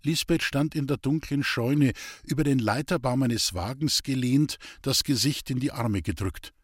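A man narrating a German novel in an even storytelling voice. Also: mid-range voice, moderate pace, breathy edge, no echo, clean studio sound. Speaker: audiobook narrator. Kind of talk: scripted narration.

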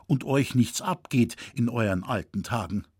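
A man voicing a polite young villager who speaks in a calm, consoling way. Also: medium pitch, moderate pace, husky, no room sound, studio quality, lightly acted. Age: young adult.

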